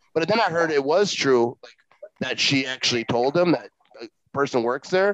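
This man speaks with a Wisconsin accent and a fairly high pitch. His loudness swings widely. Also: moderate pace, dry, close sound with no echo. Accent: Upper Midwest (Wisconsin). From Wisconsin, Green Bay. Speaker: sports fan guest. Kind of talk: casual chat. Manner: halting, many fillers.

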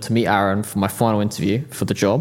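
In a very clean recording with a silent background, a man with an unremarkable speaking voice talks at a fairly quick pace, at medium pitch and with fairly even intonation. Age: 20s. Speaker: marketing agency founder. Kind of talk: interview.

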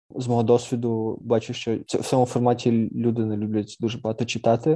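Against a quiet background, a man talks at a moderate pace in a dark, mellow tone with monotone, flat intonation. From Ukraine, Chernihiv. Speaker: graphic designer. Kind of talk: casual interview.

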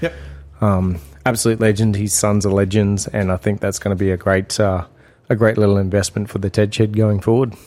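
Very fast speech from a man with an Australian accent, fairly low in pitch, with ordinary pitch variation. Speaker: podcast co-host. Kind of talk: casual chat. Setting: home shed studio.

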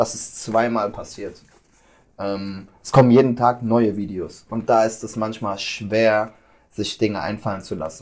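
A man with an unremarkable speaking voice talks at a fairly slow pace, his fairly low pitch and fairly even intonation marked by big swings in loudness. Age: 30s. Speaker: street football content creator. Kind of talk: casual chat.

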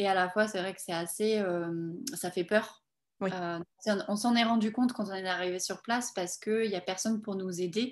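A woman speaks in an unremarkable speaking voice at a medium pitch and a moderate pace, with fairly even intonation. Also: very clean recording, silent background. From Normandy, France. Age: 20s. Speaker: small business owner, former au pair. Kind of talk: casual interview.

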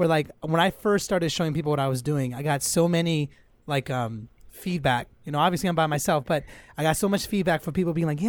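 A man with a fairly high voice talks at a very fast pace on a very clean recording with a silent background. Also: ordinary pitch variation. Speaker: podcast guest, professional drummer. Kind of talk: casual conversational. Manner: fast talker; excited, energetic.

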